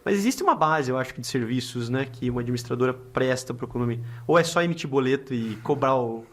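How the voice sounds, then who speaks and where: A man's voice: mid-range voice, fast, a bit bright. A middle-aged man with a Brazilian accent, a lawyer hosting a casual podcast interview, talking chattily with lots of filler tags and restarts.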